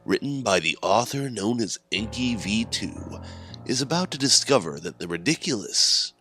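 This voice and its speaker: A man hosting a horror anthology, introducing stories in scripted, theatrical and measured narration. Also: on the low side, lively intonation, bright, forceful tone. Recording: music under the voice.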